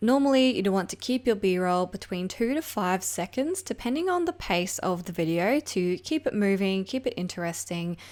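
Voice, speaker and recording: Recorded very cleanly against a silent background, a woman with a plain, everyday voice and medium pitch keeps a moderate pace with hardly any pauses. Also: lively intonation. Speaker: video editing tutor. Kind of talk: tutorial.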